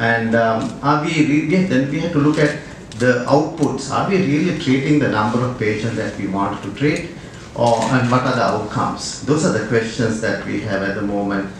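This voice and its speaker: There is audible room echo and noticeable background noise as a man speaks at a moderate pace with ordinary pitch variation. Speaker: conference presenter. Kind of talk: lecture. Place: hall. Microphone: camera far.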